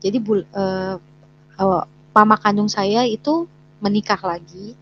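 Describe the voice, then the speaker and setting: A woman's voice: mid-range voice, fairly even intonation, unhurried. A woman sharing her personal testimony as a story, hesitant with many fillers and restarts, sometimes voicing what people said. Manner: acts out quoted dialogue in her story. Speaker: guest sharing a conversion testimony. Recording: dull lo-fi recording with faint hum.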